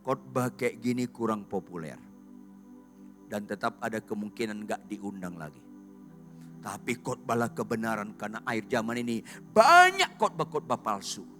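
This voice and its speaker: A pastor preaching a sermon in a large church hall, swinging between shouting and half-voiced asides. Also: male voice, on the low side, big pitch swings, normal speed. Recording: long hall reverb, faint music.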